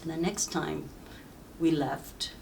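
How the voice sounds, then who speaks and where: Elderly woman reminiscing haltingly, recorded from afar. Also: deep voice, fairly even intonation, vocal fry, darkish tone. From rural southern China. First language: Sayep village dialect of Chinese. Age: 70s. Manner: halting, reflective reminiscing with frequent pauses. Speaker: oral history interviewee. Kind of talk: reminiscing life-story interview. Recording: distant mic with faint background noise.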